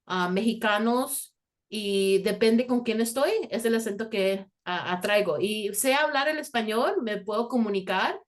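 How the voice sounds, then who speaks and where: A woman's voice: mid-range voice, a little slow. A woman from Colombia, raised in the United States, speaking Spanish with a Salvadoran-influenced accent as a guest counselor in an interview, in a conversational way with restarts. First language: English. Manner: conversational, with light laughs and restarts. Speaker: multicultural school counselor, guest. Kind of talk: interview answers.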